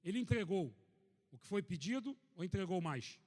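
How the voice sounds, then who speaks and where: A Brazilian man preaches with a raised voice that rings through a large church hall with long reverb. He is animated and joking, and he reads scripture aloud between funny stories. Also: high-pitched, moderate pace. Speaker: pastor. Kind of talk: sermon with humorous personal story.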